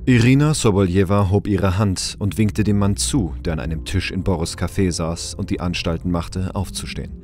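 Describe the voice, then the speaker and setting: A man's voice: low voice, moderate pace, hardly any pauses, a little mellow, soft background music, close to an everyday voice. A man narrating a scripted science fiction crime audio drama. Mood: calm narrating. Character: male storyteller of a sci-fi crime drama.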